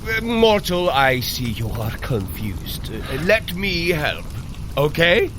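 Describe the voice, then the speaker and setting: Male, unhurried and animated, as a blunt, simple, good-hearted warrior god in audio drama; very noisy background. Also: fairly high pitch. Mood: puzzled, helpful. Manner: blunt, plain-spoken, halting when explaining. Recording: loud ambient effects noise behind.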